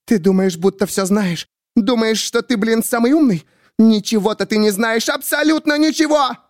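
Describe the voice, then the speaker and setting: A man's voice: sits high, moderate pace, mellow, no room sound, pitched above the performer's own voice, close to an everyday voice. A man voicing a jealous, unhinged young woman who holds a gun and swings between shrieking fury and deluded pleading, in a dry, close recording. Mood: bitter, deluded. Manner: hysterical, volatile, shrieking.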